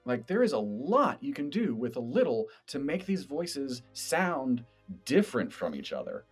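An American man from the East Coast, a podcast game master, chatting and explaining in an animated, expressive way. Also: mid-range voice, a little slow, husky, faint music behind. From East Coast of the United States.

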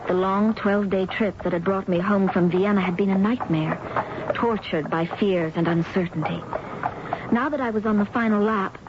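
A guarded, anxious young woman played by a radio actress speaks in a formal, reserved way. It is period radio drama from the 1970s, dull in sound with clear background noise. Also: mid-range voice, steady tone, normal speed, close to an everyday voice. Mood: weary, troubled. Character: anxious, reserved young woman, turn-of-the-century music student. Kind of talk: 1970s radio drama acting, first-person narration and dialogue. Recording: dull, noisy old radio recording.

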